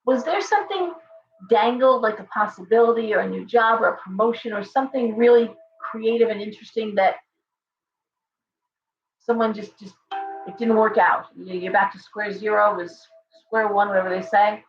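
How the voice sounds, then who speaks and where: Brief: hoarse woman, chatty tarot livestream host, off-mic in an echoey room, dull sound. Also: medium pitch, moderate pace, far from the mic, a little hiss or hum. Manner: chatty, thanks viewers by name, restarts often. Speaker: tarot reader hosting a livestream. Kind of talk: casual livestream tarot reading.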